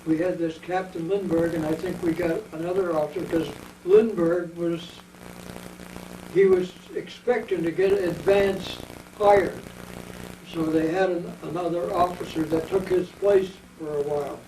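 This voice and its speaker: A man in his eighties with an American accent, telling his war memories at length in an oral history interview, wandering and pausing as he remembers. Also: a little high, steady tone, dark tone, a little hiss or hum. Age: 80s. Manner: rambling reminiscing storyteller. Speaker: veteran interviewee. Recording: echoey room, mic at a distance.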